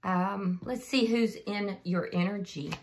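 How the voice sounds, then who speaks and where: A slightly hoarse woman giving a casual, unscripted tarot reading and speaking directly to the listener as the channel's host. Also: mid-range voice, slow, background noise.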